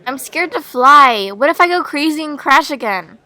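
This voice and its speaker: Lady playing a whiny nervous schoolgirl in a cartoon web series, high n bright, super dramatic. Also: lively intonation, moderate pace, dry recording. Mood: anxious. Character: anxious, clumsy, dramatic schoolgirl. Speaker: voice actor in a fan-made Roblox school series. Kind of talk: animated scripted web series dialogue.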